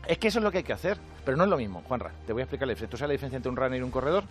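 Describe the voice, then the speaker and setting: A man's voice: medium pitch, lively intonation, racing, faint music behind. A man from Spain doing a sarcastic comic monologue on radio with a Spanish accent. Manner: sarcastic, jokey, mimics other voices. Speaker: comedian.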